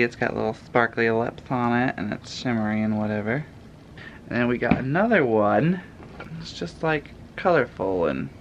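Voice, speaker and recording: A young man vlogging to the camera, stuffed up with a cold and talking in a sarcastic, rambling way. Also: mid-range voice. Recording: slightly muffled, faint noise behind.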